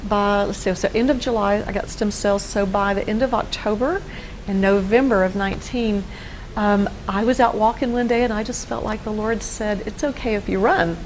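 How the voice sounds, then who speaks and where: A woman's voice: fairly high pitch, slight background noise, low-quality recording. Earnest woman in her fifties telling her story. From Texas. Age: 50s. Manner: earnest storytelling, acts out quoted dialogue. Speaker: guest. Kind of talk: personal testimony in a studio interview.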